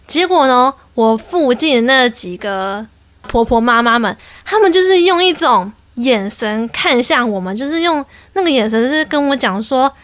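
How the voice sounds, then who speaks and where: A young adult woman tells a story on her podcast in an animated, exasperated way. Her voice is high. The recording is dry and close. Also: normal speed, no room sound. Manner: animated, exasperated, quotes people. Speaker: podcast host. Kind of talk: casual storytelling.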